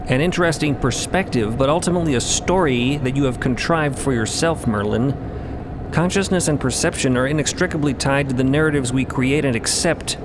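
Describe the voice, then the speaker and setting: A man playing a solemn, commanding mystic of a ship, speaking in a formal, measured, didactic way in an audio drama. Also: close to an everyday voice. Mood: challenging. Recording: rumbling vehicle-like background noise.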